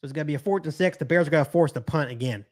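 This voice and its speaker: A man's voice: fairly high pitch, rapid-fire, a little mellow. A man with an American accent hosting a live football stream, giving conversational play-by-play and fan reaction, often repeating his phrases. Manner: repeats phrases, conversational, talks back to chat. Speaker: sports podcast host doing live play-by-play.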